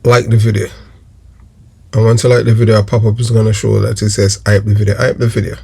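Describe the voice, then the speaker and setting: A man's voice: lowish voice, flat delivery, fast talker, vocal fry, darkish tone, husky. A middle-aged man with a Jamaican accent, a former detective delivering emphatic, repetitive political commentary straight to his viewers.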